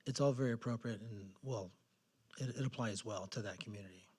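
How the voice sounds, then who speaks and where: A man's voice: fairly low pitch, a little fast, darkish tone, husky. A man giving unscripted explanatory remarks at a public meeting. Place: council chamber, public meeting.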